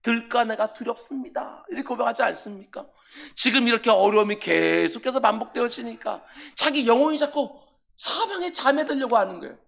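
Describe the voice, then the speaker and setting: Gravelly-voiced man preaching emphatically. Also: very high voice, lively intonation, brisk. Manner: emphatic preaching, acts out psalm lines with rising, shouted commands. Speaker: pastor. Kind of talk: sermon.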